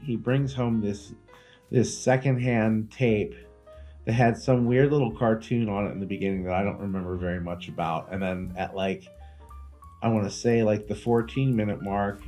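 A man co-hosting a comedy podcast, trading deadpan jokes and telling rambling stories in casual chat. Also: on the low side, normal speed, soft background music. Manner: deadpan joking, rambling storytelling. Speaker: podcast co-host.

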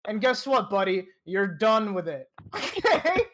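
A man's voice: high voice, big pitch swings, unhurried, a bit bright. A tipsy man co-hosting a podcast, chatting casually, teasing and playful while keeping count of the shots. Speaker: podcast co-host.

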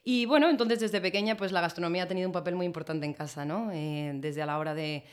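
A woman's voice: on the low side, fast talker. A woman in her late twenties with an accent from Spain, answering conversationally as a podcast guest.

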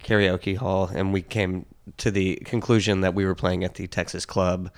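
A young band member chatting casually on a podcast, laid-back with brief remarks. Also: male voice, low-pitched, little pitch movement, moderate pace, clean tone. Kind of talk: casual chat.

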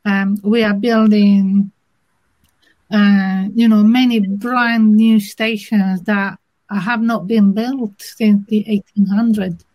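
Italian-accented woman interview guest, measured and thoughtful, unhurried delivery with pauses. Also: mid-range voice, steady tone, a little mellow, rough recording. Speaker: interview guest, inclusion manager. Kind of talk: conversational interview.

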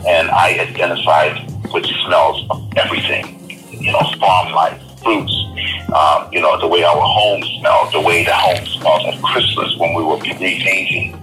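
Deep-voiced Trinidad-born man telling stories. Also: moderate pace, over music, rough recording. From Trinidad and Tobago. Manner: relaxed, storytelling with many restarts. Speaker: podcast guest. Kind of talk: casual interview storytelling.

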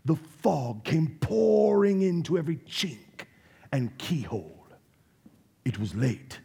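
A man narrating a radio play on stage in a theatrical, deliberate and dramatic manner. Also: medium pitch, creaky, breathy edge. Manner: dramatic, deliberate, dropping at times to a hush. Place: stage in front of a live audience. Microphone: stage microphone.

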